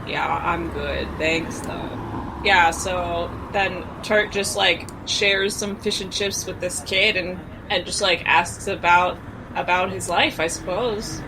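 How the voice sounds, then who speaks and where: A woman's voice: fairly low pitch, fairly even intonation, takes it slowly. A woman playing a tabletop game, casually describing what her character does, on a noisy recording. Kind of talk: casual improvised roleplay chat. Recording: clearly noisy background.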